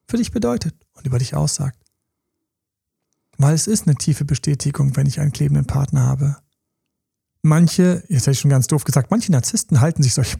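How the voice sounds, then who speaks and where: His voice is a touch high, with vocal fry and a slight roughness. Co-hosting a podcast, he dishes out casual relationship advice in colloquial slang, animatedly playing out little quoted scenes. Clean, dry studio recording.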